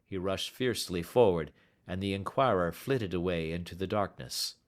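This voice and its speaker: A man narrating a classic story in an expressive reading voice. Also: deep voice, moderate pace. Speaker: audiobook reader.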